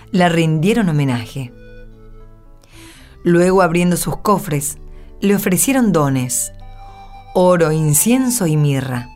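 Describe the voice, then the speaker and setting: Low-voiced woman reading solemnly. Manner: measured, reverent, phrase by phrase. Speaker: narrator and scripture reader. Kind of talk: solemn scripted religious narration. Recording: soft music behind the voice.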